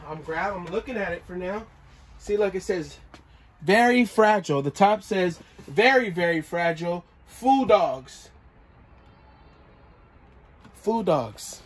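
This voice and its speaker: A young man vlogging as he unpacks boxes in a cluttered storage room, playful and excitable, talking to his viewers on a handheld phone. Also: high voice, slow pace, pauses often, slightly rough. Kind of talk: casual unboxing vlog. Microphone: handheld phone camera.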